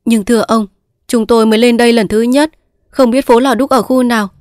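A timid young daughter-in-law, meek and pleading, her voice lifted a little higher, as a woman narrator puts her on. The sound is dry and close. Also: steady tone, fairly quick, darkish tone, dry recording, close to an everyday voice.

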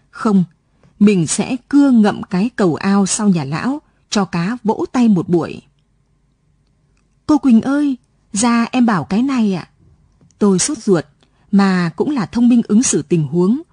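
A woman radio reader telling a late-night story in a calm, measured way in a studio. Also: mid-range voice, slightly rough, dry recording.

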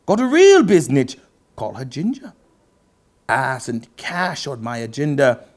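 A man in his thirties playing a pompous aristocratic gentleman host, giving a theatrical mock-literary dramatic reading of rap lyrics. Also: medium pitch, very animated. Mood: theatrical, emphatic. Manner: pompous, theatrical, drawn-out pauses. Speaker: comedy show host. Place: book-lined indoor study set, seated.

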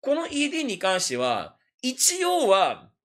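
Lively, bright-voiced man with a lilt. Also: very high voice, measured pace. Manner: animated, self-mocking, acts out his own reactions; laughs often between phrases. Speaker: anime reaction channel host. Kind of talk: casual reaction commentary.

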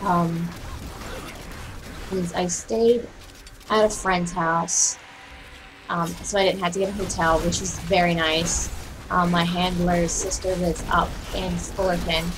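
A young woman with a hoarse, raspy voice, casually commenting on her own gameplay while streaming from home and chatting with viewers. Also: on the low side, little pitch movement, slow, pauses often, background noise. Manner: chatty, profane, talks to herself while playing. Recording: game music behind voice. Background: game music.

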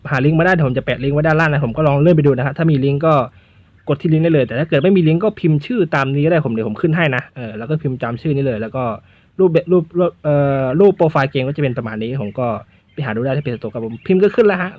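A man's voice: fairly high pitch, rapid-fire, no room sound. Casual young male game reviewer, chatty and polite, middle voice, muffled lo-fi home recording. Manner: chatty, polite, self-interrupting. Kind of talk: casual gameplay commentary.

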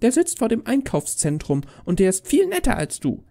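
A defiant little girl in an audio story, as a male narrator acts her out. The voice is lifted high, pert and sceptical. She talks back bluntly and cheekily. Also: huge pitch swings, normal speed, gravelly, dark tone, heavily acted. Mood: cheeky.

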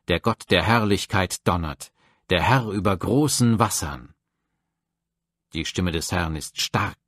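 Guy reading bible psalms real slow, solemn, dry close mic. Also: on the low side, fairly bright tone, no room sound. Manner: slow, measured, reverent. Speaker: Bible audiobook reader.

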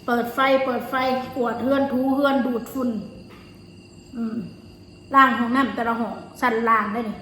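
Higher-pitched Isan woman, chatting while chewing. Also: steady tone, moderate pace, fairly bright tone. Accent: Isan, northeastern Thai. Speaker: vlogger. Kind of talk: casual chat, recounting personal stories. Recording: roomy echo, faint noise, insects.

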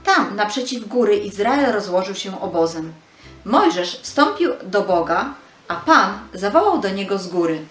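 A woman's voice: medium pitch, big pitch swings, measured pace, a bit bright, roomy sound, soft background music. A woman giving a scripted narration of a Bible story for children.

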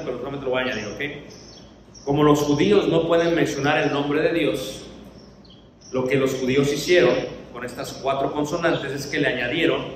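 A man's voice: mid-range voice, slight background noise. A man preaching a Bible lesson to his congregation, posing questions and answering them himself. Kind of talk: Bible teaching sermon. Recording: echoey hall, mic far off.

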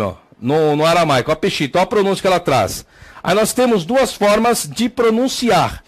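Brazilian male theology teacher, emphatic lecturer, higher voice with animated pitch. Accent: Brazilian Portuguese. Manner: emphatic, repeats key words, points at screen. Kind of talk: classroom lecture with slides.

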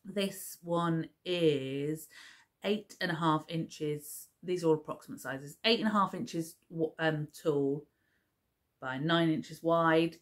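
Woman, 30s, lower pitch, casual rambling vlog chat, home living room, camera mic. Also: slow pace. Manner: rambling, chatty, many ums and restarts. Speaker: crafting vlogger.

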